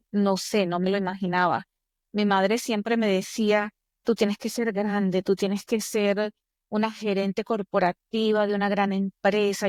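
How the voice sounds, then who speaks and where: A woman's voice: medium pitch, darkish tone, dry recording, studio quality. A woman in her fifties from Venezuela, with a Venezuelan accent, telling personal stories expressively as an interview guest. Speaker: podcast guest, executive coach. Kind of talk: conversational interview, personal storytelling.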